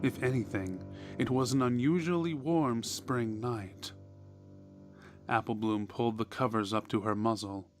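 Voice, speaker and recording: A man reading a scripted horror story in a measured, deliberate way, with dramatic pauses. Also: mid-range voice. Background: background music.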